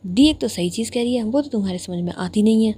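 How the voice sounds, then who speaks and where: A woman's voice: medium pitch, lively intonation, fast talker, warm tone, husky. A woman doing a sarcastic young woman. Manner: sarcastic, teasing.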